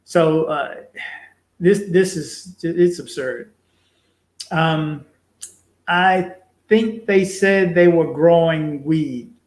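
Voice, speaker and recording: A man hosts a casual live stream, reading viewer comments aloud and pausing on fillers as he goes. He talks in a chatty, repetitive way to drive his points home. His voice sits a little high, and the room around him is echoey. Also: a little mellow. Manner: chatty, repeats himself for emphasis, many fillers. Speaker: livestream host reading viewer chat.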